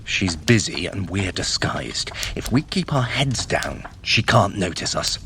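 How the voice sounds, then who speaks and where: A man playing a sly, haughty trickster god in an audio drama, guiding a mortal with theatrical, quick-witted delivery. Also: deep voice, sing-song, vocal fry, heavy background noise, heavily acted. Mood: conspiratorial.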